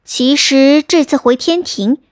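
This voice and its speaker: A woman narrating a myth in a slow, gentle, clear storybook style. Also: high voice, dry recording, clean studio sound.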